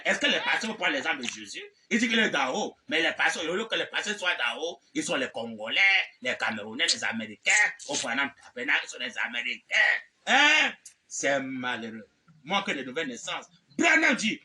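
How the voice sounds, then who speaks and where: A man preacher delivering a fervent sermon, shouting and calling out repeated amens. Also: high voice. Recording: distant mic with faint background noise.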